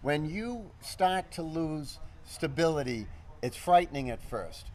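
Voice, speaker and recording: A man talks at a fairly slow pace in a plain, everyday voice with a fairly high pitch. His intonation is lively and his loudness swings widely. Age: 60s. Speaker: gym owner. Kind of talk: interview.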